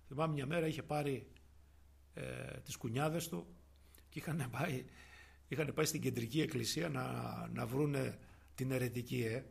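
A man preaching a sermon with fervent delivery that swells to loud, emphatic peaks. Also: mid-range voice, vocal fry, husky.

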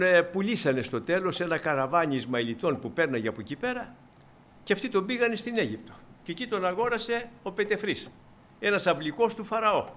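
A man's voice: high voice, fairly bright tone, slight background noise. A male preacher delivering a sermon, retelling a Bible story and acting out the characters' lines, often addressing listeners as brothers. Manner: dramatizes quotes with shifting voice and volume.

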